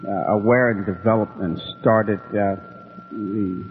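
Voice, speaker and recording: A man hosting a radio interview, stammering through restarts and backing the guest with soft affirmations. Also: on the low side, fairly even intonation, unhurried, a little hiss or hum. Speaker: radio host. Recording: tinny phone-like radio with long reverb and faint music.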